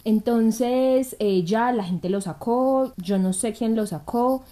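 A young Colombian woman recounts a story in a lively, casual way, voicing the people in it. Her voice is a little high, and the tone is mellow and dark. She laughs a lot between lines. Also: takes it slowly. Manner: animated, acts out quotes, laughs often. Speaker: storyteller guest. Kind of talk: casual chat.

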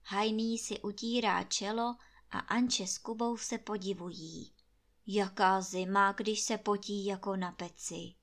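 A woman reading a fairy tale aloud, narrating in a lively, expressive way. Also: mid-range voice. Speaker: storyteller.

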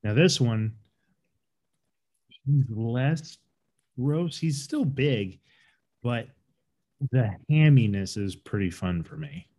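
Here a male podcast co-host speaks slowly with long pauses, his mid-range voice warm and lively in intonation. Chatting casually about a movie, he offers loose, opinionated views, rambling, restarting sentences and looping back to land his point.

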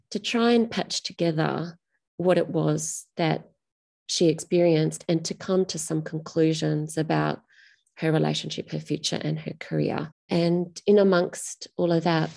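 A middle-aged woman being interviewed about her writing. Her voice is dark and mellow with a gravelly edge. She speaks thoughtfully and often restarts her phrases. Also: deep voice. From Australia. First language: Greek. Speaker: author.

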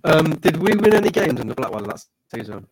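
A man's voice: on the high side, big pitch swings, a little fast, a little hiss or hum, rough recording. A man co-hosting a casual football podcast, blunt and swearing freely. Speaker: podcast co-host.

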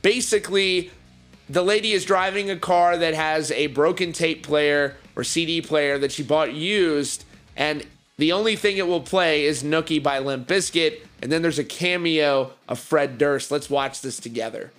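A man hosts a music news update in an upbeat presenter style. His voice sits a little higher than average for a man. Music plays behind him as he gives his commentary. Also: unhurried, a bit bright. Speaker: host of a rock music news show.

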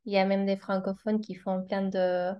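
Woman teacher, spanish is her first language, lots of ums, thinks out loud. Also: medium pitch, level tone, normal speed, clear, resonant tone, highs cut off. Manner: hesitant, many fillers and restarts, thoughtful. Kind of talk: casual discussion.

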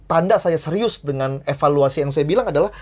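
Man, trainer, podcast guest, animated, acts out quotes. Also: on the high side, quick pace. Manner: animated, acts out quoted voices, laughs often. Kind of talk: casual podcast conversation.

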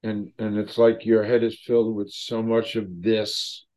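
A man in his seventies hosting an interview, speaking reflectively and haltingly with many fillers. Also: on the low side, monotone, warm tone, poor audio. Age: 70s. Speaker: host. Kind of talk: interview conversation.

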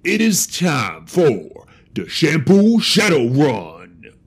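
An actor playing a big, friendly troll philosopher with a gravelly, husky voice and folksy broken grammar in a cyberpunk audio drama. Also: male voice, a little high, huge pitch swings, very slow, full character voice. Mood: easygoing, reassuring. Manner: folksy broken grammar, third-person self-reference. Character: big male troll shadowrunner philosopher, friendly, simple-spoken.

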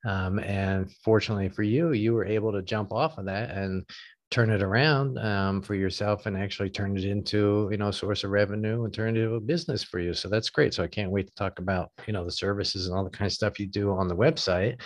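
Easygoing male podcast host, lowish voice, dead-dry room, wandering questions. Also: a little fast, no echo. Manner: rambling, relaxed, lots of fillers. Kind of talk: casual interview chat.

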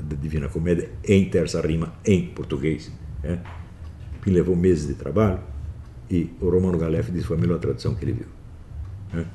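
A man with a very low, dark voice gives a lecture to his students. He talks emphatically, scolds at times and keeps checking in with tag questions. A faint hiss sits under the recording. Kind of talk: philosophy lecture.

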